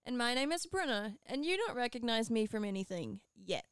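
A woman co-hosting a podcast, making joking deadpan asides in a scripted promo. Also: a little high, fairly quick, smooth, no echo, clean studio sound.

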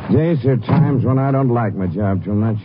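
A man's voice: medium pitch, lively intonation, moderate pace, natural voice. An American man playing an earnest, weary, dutiful county sheriff in a 1950s radio western. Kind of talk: 1950s old-time radio western acting. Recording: muffled, hissy 1950s radio recording.

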